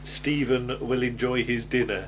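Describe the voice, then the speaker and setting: A man's voice: medium pitch, steady tone, moderate pace, background noise. A man chatting casually as he reviews an episode, hesitant and rambling, often ending on tag questions. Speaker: podcast host.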